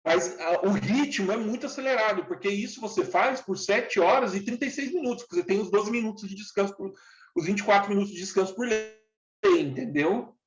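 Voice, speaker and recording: A man's voice: sits high, a little fast. A man of forty, a former factory worker giving an earnest, plain-spoken account in an interview. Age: 40s. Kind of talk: casual interview talk. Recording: echoey room, dull lo-fi sound.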